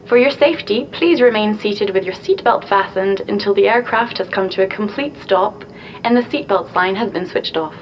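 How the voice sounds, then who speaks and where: A woman voicing a polite flight attendant. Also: close to an everyday voice. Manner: polite, formal announcement delivery. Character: female flight attendant making cabin announcements. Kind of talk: scripted English-lesson dialogue. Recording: muffled sound with clear background rumble.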